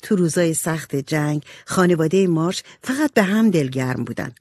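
A woman reads a storybook aloud with expressive narration, her somewhat low voice moving through a wide, lively range. The recording is dry and close, with no room sound. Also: no echo. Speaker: audiobook narrator.

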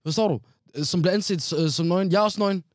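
A man's voice: high-pitched, no room sound, studio quality. A man chatting casually and teasingly with a friend, playful and full of slang. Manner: playful, teasing, lively, mixes Danish with English slang. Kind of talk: casual chat.

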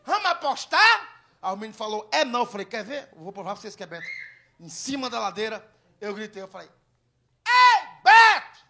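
Onstage before a live audience, a young man from Ceará with a Northeastern Brazilian accent performs stand-up in a fast, high-pitched voice. He's a crude, animated storyteller who acts out the dialogue.

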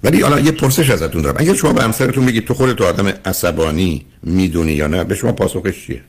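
An older man with a husky voice, a radio counseling host giving earnest, lecturing advice to a caller. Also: sits low, animated.

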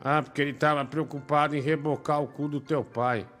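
A man's voice: a little high, fairly even intonation, brisk, fairly bright tone, soft background music. A man hosting a live stream, joking crudely and reading out viewer donations and messages. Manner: profane, jokey, reads messages aloud.

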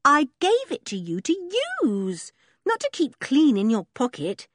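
Storybook reading: woman playing a brisk commanding girl, raised pitch, lively delivery. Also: no room sound, clean studio sound, exaggerated voice. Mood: bossy. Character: bossy spirited tomboy girl.

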